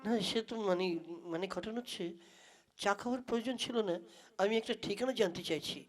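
A woman's voice: medium pitch, quick pace, soft background music, close to an everyday voice. A woman playing a courteous, hesitant man who is a stranger in a village, in a comic puppet play. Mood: puzzled, polite. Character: polite, hesitant, increasingly impatient male stranger seeking directions.

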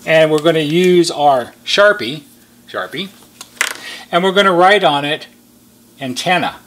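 A man's voice: fairly high pitch, expressive, unhurried, a bit bright. A middle-aged American man, a repair technician giving a methodical, explanatory step-by-step how-to demonstration.

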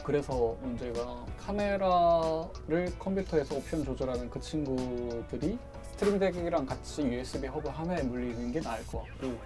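A man's voice: medium pitch, dark tone. A thirty-year-old man, a streaming setup technician, giving casual technical explanations. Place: indoors, small studio room. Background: music.

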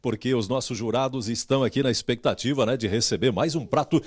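A middle-aged man with a Brazilian Portuguese accent hosts a live TV cooking segment in a home kitchen. He talks into a handheld mic in an upbeat, exclaiming way and keeps repeating words. His voice sits at a middle pitch and the sound is dry and close. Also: quick pace, dry recording. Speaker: TV reporter.

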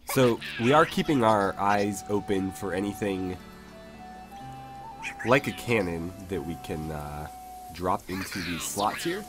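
Male let's-play host, low voice, recovering from being sick, relaxed and filler-heavy. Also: slow, long pauses, over music. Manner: relaxed, thinking aloud with many fillers. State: recovering from lost voice. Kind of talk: casual gameplay commentary.

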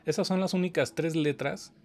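An audio engineering teacher patiently explains dubbing work in a casual conversation, frequently checking that his listener follows. His voice is fairly high, steady, and a little mellow, at a normal pace.

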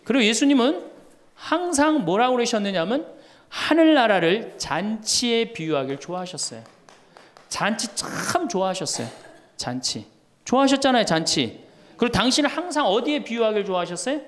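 Lively, high-voiced storytelling priest. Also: male voice, a little fast. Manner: storytelling, acts out quoted voices, laughs along. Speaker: Catholic priest. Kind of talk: humorous lecture.

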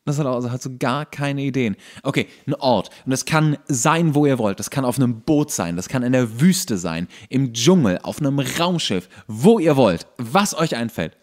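A man with a middle-pitched voice talks casually as a podcast co-host. He tells anecdotes haltingly, circling back and repeating his words as he goes. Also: animated. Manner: halting, repeats himself while telling.

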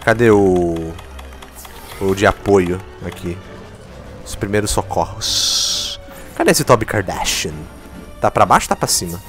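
With a low voice, a somewhat slow delivery, and long pauses, this gameplay commentator chats casually over faint game music. He gets excitable, curses often, and keeps mocking the game.

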